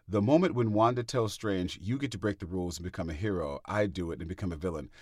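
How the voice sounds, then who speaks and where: Deep-voiced man gushing with excitement. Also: fast, no room sound, clean studio sound. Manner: gushing, excitable, stumbles over words. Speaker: podcast guest. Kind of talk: casual podcast chat.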